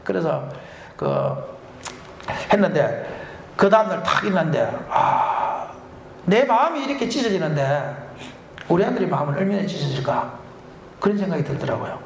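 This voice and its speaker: A middle-aged man, a pastor, preaching a revival sermon and telling a personal story with animated, laughing delivery. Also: on the high side, brisk, creaky, pauses often, a little hiss or hum. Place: church sanctuary. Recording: echoey church hall.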